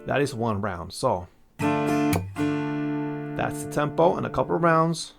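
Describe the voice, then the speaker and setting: A man's voice: mid-range voice, sing-song, a little slow, vocal fry. A man giving casual, step-by-step guitar instruction, counting out strumming strokes as he goes, with acoustic guitar behind him. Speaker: guitar teacher. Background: acoustic guitar playing.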